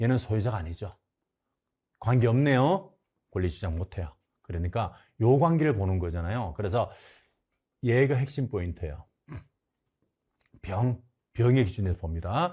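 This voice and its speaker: A man with a fairly low pitch and a dark, mellow, somewhat breathy tone speaks at a moderate pace with lively intonation. He leaves long, frequent pauses, and the recording is very clean with a silent background. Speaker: exam prep lecturer. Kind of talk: lecture. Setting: studio.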